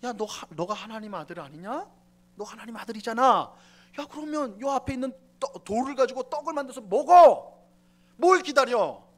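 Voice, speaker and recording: A man's voice: very high voice, animated, moderate pace, pitched above the performer's own voice. A man voicing a sly male devil who mocks and goads a listener to give in, pushing harder with each line. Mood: goading. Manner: mocking, goading, insistent.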